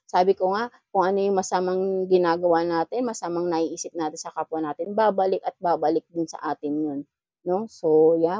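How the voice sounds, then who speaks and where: A woman's voice: lowish voice, warm tone, no echo. Chatty woman giving a tarot reading. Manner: chatty, advising, ends phrases with questioning tags. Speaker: tarot reader.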